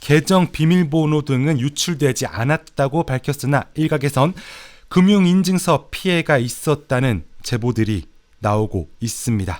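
Over a silent background in a very clean recording, a man with a plain, everyday voice and a fairly high pitch speaks at a fairly slow pace with lively intonation. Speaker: newspaper reporter hosting a news review show. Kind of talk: news reading and commentary. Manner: conversational with filler sounds.

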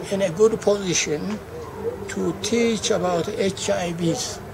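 A man speaks over noticeable background noise. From Ethiopia. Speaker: older people's rights campaigner. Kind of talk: interview answer. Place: garden.

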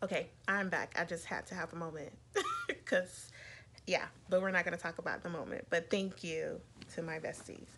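Speaking at a moderate pace, a woman uses a fairly low pitch with ordinary pitch variation and a bright, sharp tone. She leaves long, frequent pauses. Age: 30s. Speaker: handbag vlogger; vlogger. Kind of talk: casual vlog unboxing. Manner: chatty with many fillers. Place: home room. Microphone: webcam.

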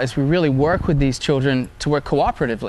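A man with a fairly high pitch, a plain, everyday voice, and a fairly quick pace. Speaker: tennis instructor. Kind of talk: interview.

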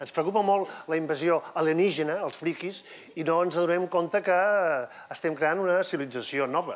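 At a moderate pace, a man talks with a high pitch. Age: 50s. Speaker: comedian. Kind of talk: stand-up. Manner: animated. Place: stage. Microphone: lapel.

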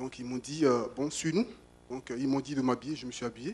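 The speaker is a man. His intonation is rather level. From Togo. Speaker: church member giving testimony. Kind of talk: testimony. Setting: church. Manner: halting. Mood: earnest, recounting hardship. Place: church. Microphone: handheld.

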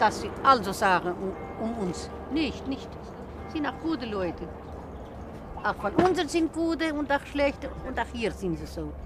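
Over music in the background, a woman with a high pitch speaks at a fairly slow pace in a raised, projected voice, with lively intonation, big swings in loudness and long, frequent pauses. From Russian-German village in Siberia, Omsk region. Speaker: Russian-German immigrant pensioner. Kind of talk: street interview. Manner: halting.

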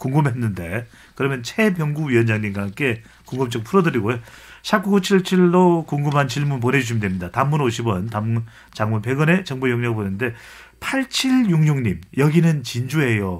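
Pitch swings very widely as a man speaks at a fairly slow pace. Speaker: radio interviewer. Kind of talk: radio interview. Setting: studio. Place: studio. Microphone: studio mic.

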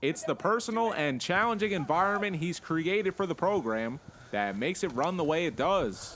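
A man talks at a moderate pace with a high pitch and very wide pitch swings. His loudness stays very even. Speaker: sports documentary narrator. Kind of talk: scripted narration.

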